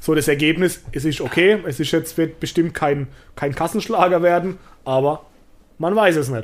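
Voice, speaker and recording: Moderate pace and ordinary pitch variation from a man, his pitch fairly high, in a plain, everyday voice. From Baden, Karlsruhe. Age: 40s. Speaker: DJ. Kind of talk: casual chat.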